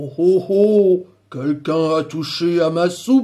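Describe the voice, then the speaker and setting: Using a put-on character voice, a man talks at a fairly slow pace and a high pitch. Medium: read story. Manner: slow, booming.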